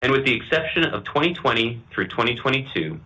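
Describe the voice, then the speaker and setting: A man reading prepared remarks as a company executive on an earnings call, in a formal, measured corporate manner. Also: medium pitch, animated, pushed and bright, slightly rough, rough recording. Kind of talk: scripted earnings call presentation.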